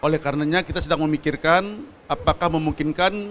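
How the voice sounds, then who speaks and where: This man's fairly high voice races along at a very fast pace, its pitch varying in an ordinary way. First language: Indonesian. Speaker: judge. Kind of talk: panel discussion. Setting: conference pavilion.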